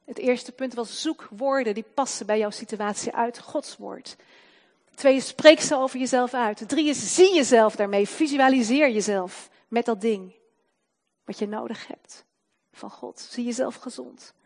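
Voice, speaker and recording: A woman delivers a sermon in a voice pitched a little high. She swings between loud, fervent proclamation and soft, slowed emphasis on key words. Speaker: preacher.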